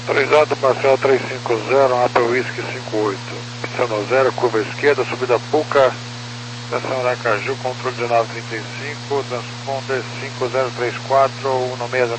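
A Brazilian man, a pilot, reading back a clearance in short clipped phrases over a crackly, military-style radio. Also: mid-range voice, fairly even intonation, a little fast. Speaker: airline pilot. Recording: noisy cockpit radio with hum.

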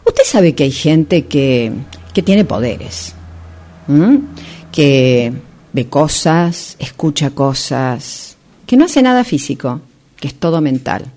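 Animated, insistent saleswoman played by a woman. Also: sits low, heavily acted. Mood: mysterious, coaxing. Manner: insistent, theatrical, dramatic pauses. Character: smooth-talking female real estate agent selling a mysterious magic house. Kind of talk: amateur radio play acting.

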